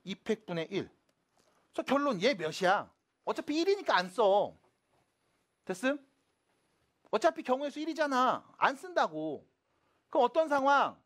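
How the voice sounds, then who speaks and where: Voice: medium pitch, fairly bright tone. Math teacher constantly checking students follow. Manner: checks in constantly with quick casual questions; mixes casual and polite speech to students. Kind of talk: classroom math lecture.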